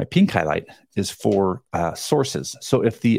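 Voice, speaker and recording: The man's intonation is lively. His recording is very clean, and the background is silent. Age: 40s. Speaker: podcast host. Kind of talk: solo podcast monologue.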